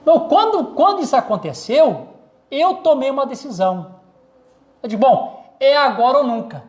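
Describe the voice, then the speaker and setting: A male pastor tells a story from the pulpit in a fairly high voice. He circles back, restarts phrases and repeats key words as he preaches. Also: big pitch swings, moderate pace. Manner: storytelling, many repetitions and restarts. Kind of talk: sermon testimony.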